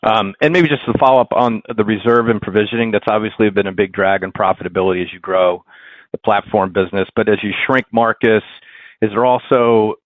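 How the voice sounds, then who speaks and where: A man's voice: on the low side, fairly even intonation, brisk, no echo. A man asking questions as a financial analyst on a conference call, in clipped and slightly hesitant phrases. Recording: thin, dry phone line.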